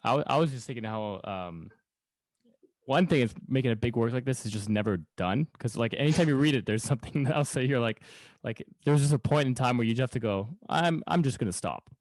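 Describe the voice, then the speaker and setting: A man hosting a podcast in casual chat, with halting, rambling phrasing. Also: medium pitch, lively intonation, a little mellow, no room sound, rough recording. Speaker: podcast host.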